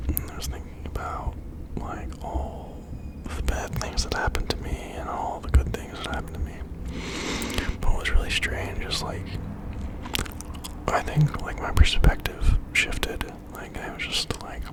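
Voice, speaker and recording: Breathy, fully whispered ASMR rambler. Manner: informal, halting, confiding, with frequent tag questions. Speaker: ASMR creator.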